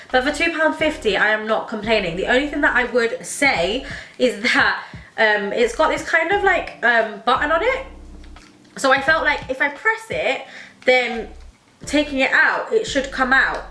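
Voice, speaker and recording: A young woman vlogging a makeup tutorial, her voice bright and a little high, with a slight hay-fever wheeze. She chats enthusiastically, scattering fillers. The room adds a noticeable echo around her. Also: lively intonation, moderate pace. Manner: chatty, enthusiastic, many "like" fillers. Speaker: beauty vlogger. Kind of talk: casual makeup tutorial chat. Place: home makeup room, indoors.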